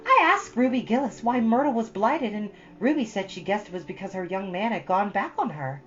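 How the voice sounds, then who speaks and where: A woman's voice: mid-range voice, lively intonation, brisk, a bit bright, lo-fi sound, a little hiss or hum, natural voice. A woman voicing a chatty, earnest thirteen-year-old girl from a storybook, rambling with solemn drama. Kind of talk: storybook character reading.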